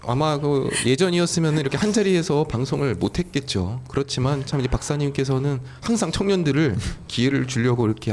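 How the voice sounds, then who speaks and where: A man's voice: mid-range voice, darkish tone, slight background noise. A man in his thirties speaking earnestly on a political panel, with many filler words. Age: 30s. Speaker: young panelist, organization head.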